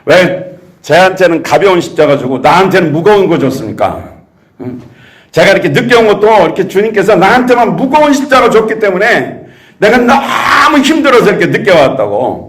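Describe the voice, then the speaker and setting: A man voicing an indignant male disciple who protests to his master in a shrill, accusing tone. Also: big pitch swings, brisk, fairly bright tone. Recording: echoey church sanctuary.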